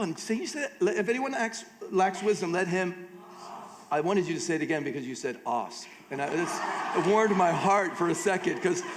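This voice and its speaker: A man's voice: high-pitched, noisy background. A middle-aged American man preaching a conversational sermon at a church conference, slipping joking asides between scripture readings. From United States. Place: large church auditorium. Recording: long hall reverb.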